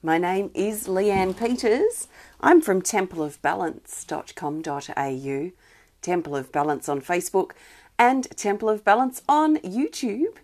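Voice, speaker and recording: A woman hosting a live healing-guidance stream, speaking gently with many pauses, a bit wheezy from irritated lungs. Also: medium pitch, expressive. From Australia. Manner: soft, gentle, greets viewers by name, many ums and restarts. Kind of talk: live-streamed spiritual chat.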